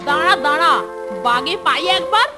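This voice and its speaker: An eager, naive little schoolboy sidekick from a comedy cartoon. His childlike, exclamatory voice is extremely high, with music clearly behind it. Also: lively intonation, moderate pace. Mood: indignant. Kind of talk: animated comedy cartoon dialogue.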